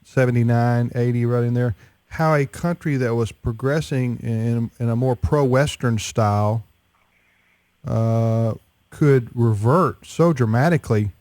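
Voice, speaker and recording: A man's voice: mid-range voice, unhurried, darkish tone, no room sound. A male radio host interviewing a guest in a conversational way, often restarting.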